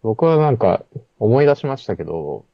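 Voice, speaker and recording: A man's voice: fairly low pitch, big pitch swings, normal speed, creaky, no echo. A man telling a personal story in casual chat, with many fillers and restarts. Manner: rambling storytelling with frequent fillers. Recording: dull lo-fi sound.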